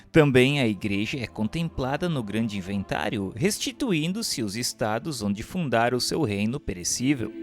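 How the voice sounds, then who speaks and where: A man reads a scripted book narration in a solemn, formal manner with emphatic phrasing. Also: mid-range voice. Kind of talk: scripted audiobook-style narration of a book chapter. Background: music under the voice.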